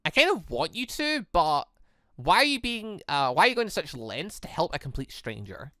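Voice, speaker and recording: A man's voice: on the high side, sing-song, moderate pace, bright, forceful tone, no room sound, clean studio sound. A man voicing a queasy, bewildered, self-deprecating young male stranger in a visual novel. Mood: wry, puzzled. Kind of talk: reading a visual novel aloud.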